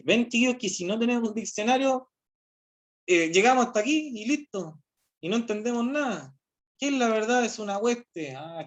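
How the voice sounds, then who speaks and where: A man with a Chilean accent teaching philosophy over a video call. He explains the text step by step and keeps checking in with his class using rhetorical questions. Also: a little high. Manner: explanatory, asks rhetorical questions, often says "¿cierto?". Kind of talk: online class lecture.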